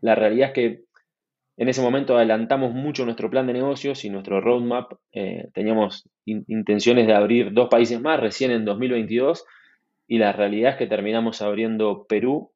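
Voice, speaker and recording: A man's voice: medium pitch, normal speed, muffled recording. A man from Argentina with an Argentine accent, a startup manager talking easily as an interview guest with many restarts. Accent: Argentine Spanish. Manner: relaxed, fluent, many restarts and fillers. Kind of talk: conversational interview.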